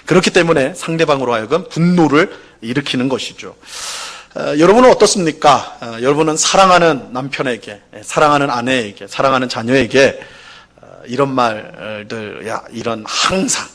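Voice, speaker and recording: A man's voice: medium pitch, moderate pace, fairly bright tone. A male pastor giving a Sunday sermon in a conversational style, full of fillers and rhetorical questions, who acts out quoted complaints in a raised, pleading voice. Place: church sanctuary.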